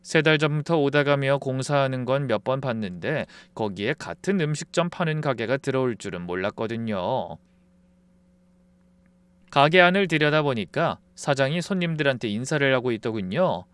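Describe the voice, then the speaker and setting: A man's voice: medium pitch, animated, normal speed, a bit bright, clear, resonant tone, dry recording. A man narrating a dramatic first-person story in an earnest, confiding way.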